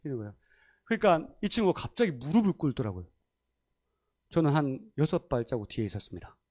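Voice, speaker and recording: Speaking fast in a somewhat high voice, this pastor delivers a storytelling sermon from the church sanctuary. He's animated, voices the characters he quotes, and laughs a lot.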